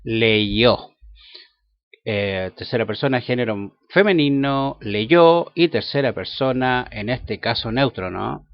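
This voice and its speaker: Slow-talking man teaching English. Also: mid-range voice, no room sound. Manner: slow, careful, spells words letter by letter. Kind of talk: bilingual language lesson. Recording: dull lo-fi sound.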